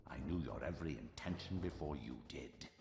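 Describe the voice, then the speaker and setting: A gravelly scheming old sorcerer. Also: male voice, animated, fairly quick. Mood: gloating. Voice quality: deep gravelly. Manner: gloating, contemptuous. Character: scheming old male time-streamer sorcerer, condescending. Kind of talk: video game cutscene acting. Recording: echoey game cutscene audio with loud music.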